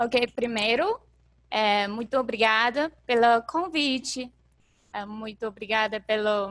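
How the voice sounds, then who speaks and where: Speaking at a very slow pace, a woman with a non-native accent uses a fairly high pitch and ordinary pitch variation. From China. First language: Chinese (speaking Portuguese). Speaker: pastor's wife. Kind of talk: testimony. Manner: halting, many fillers.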